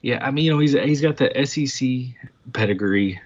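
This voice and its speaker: A man's voice: mid-range voice, moderate pace, lo-fi sound. A man co-hosting a casual sports podcast, breaking down players eagerly and listing examples. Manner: enthusiastic, analytical, lists examples. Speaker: podcast co-host.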